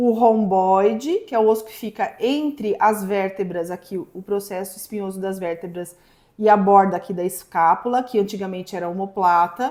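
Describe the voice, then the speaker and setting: Her voice an ordinary speaking voice at medium pitch, a woman speaks at a moderate pace with ordinary pitch variation and big swings in loudness. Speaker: physiotherapist. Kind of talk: demonstration explaining anatomy.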